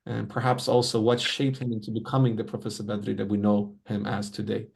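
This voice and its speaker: A man hosts an online tribute from a video call. His low voice has a gravelly edge. He keeps his delivery even and courteous, peppered with blessings. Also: a little fast. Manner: courteous, many religious blessings. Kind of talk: formal moderating.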